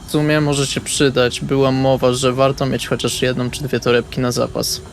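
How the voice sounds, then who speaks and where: A man's voice: medium pitch, little pitch movement, normal speed, faint music behind, natural voice. A man playing a laid-back, polite young vampire in an improvised tabletop role-play, hesitant and understated. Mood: wry, casual.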